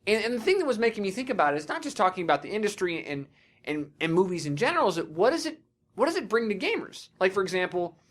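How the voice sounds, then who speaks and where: A man with a fairly high voice hosts a casual podcast. He speaks emphatically and swears freely, often sliding into a rant. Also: very animated, fast talker. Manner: profane, emphatic ranting. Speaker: podcast host.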